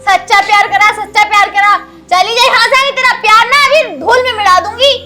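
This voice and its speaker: A woman's voice: extremely high pitch, moderate pace, bright, forceful tone, faint music behind. A woman playing a harsh, scolding village mother-in-law. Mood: contemptuous. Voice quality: scolding, contemptuous. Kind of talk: rural Hindi film drama.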